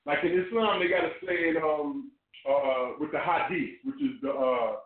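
A man calls in on speakerphone, and the line sounds thin and tinny, like a cheap phone. His voice bounces around an echoey room, sitting a bit higher than most men's. He talks in a halting way, circling back and repeating words as he explains his ideas. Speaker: call-in guest. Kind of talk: casual spiritual discussion.

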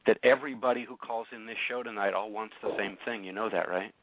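A fast-talking man with a fairly low pitch and fairly even intonation hosts a call-in radio show, coaching a caller with probing, challenging questions. He often repeats words while pressing a point. The sound is narrow and phone-like, with slight background noise.

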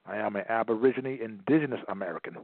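A man's voice: lowish voice, quick pace, gravelly, dry recording. Man lecturing over a tinny phone line. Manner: emphatic, repeats phrases for stress. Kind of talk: emphatic lecture, partly read aloud.

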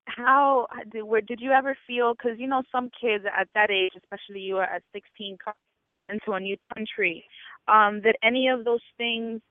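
A man's voice: high-pitched, fairly even intonation, normal speed, dry recording. A man from Miami hosting an interview in casual conversation, with many restarts and "you know", heard over a phone line. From Miami, United States. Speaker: host.

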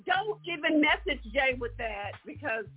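A woman from Houston, co-hosting a talk show, defiant and quick to talk over the others. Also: high voice, lively intonation. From Houston, Texas. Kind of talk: opinion talk show debate. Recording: phone-like sound with faint music.

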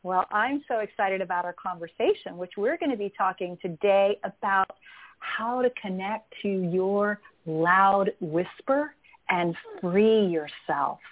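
A woman's voice: medium pitch, measured pace. A woman hosting a radio interview show, asking her guest questions in an appreciative way. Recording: phone-line audio.

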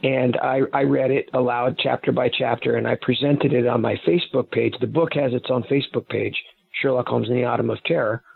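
Gravelly man on a phone line. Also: mid-range voice, steady tone, fairly quick. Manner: rambling, self-correcting explanations. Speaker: guest author and private investigator. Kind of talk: phone-in interview.

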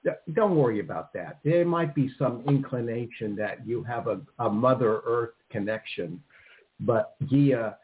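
Man, mid-pitched, psychic radio host, rambling and hedging; thin phone-like sound. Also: measured pace, a little hiss or hum. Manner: rambling, cautious advice with fillers. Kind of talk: call-in radio reading. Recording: tinny phone-like line.

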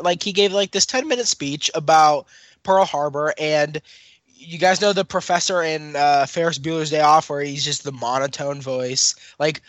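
A young man chatting on a podcast, telling stories and teasing his co-host. His voice sits a little high. The sound is dry and close, with no room echo. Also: a bit bright. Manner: chatty, storytelling, playful teasing. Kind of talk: casual chat.

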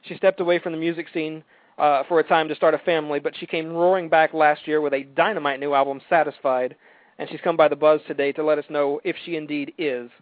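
Effusive male radio host, higher-pitched, phone-like sound. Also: fairly even intonation, quick pace, no echo. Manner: effusive, complimentary. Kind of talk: casual chat and celebrity interview. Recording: dry phone-like line.

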